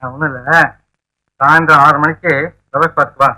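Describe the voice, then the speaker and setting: A woman's voice: deep voice, steady tone, brisk, bright, forceful tone, rough recording. An actress playing a playful young woman who teases someone on the phone in a 1960s film. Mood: teasing. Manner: teasing, playful.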